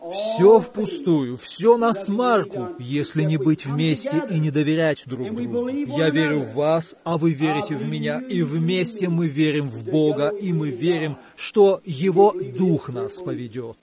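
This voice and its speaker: A man preaching a sermon, hoarse from a cold, earnest and pleading as he addresses his congregation and calls on people by name. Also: a little high, expressive, unhurried, hardly any pauses, crowd noise.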